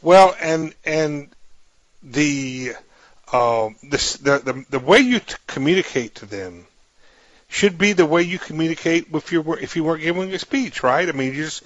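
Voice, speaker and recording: Halting man hosting a radio chat. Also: fairly high pitch, lively intonation, no echo, dull audio. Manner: halting, restarts often, emphatic asides. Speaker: radio show host. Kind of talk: interview talk.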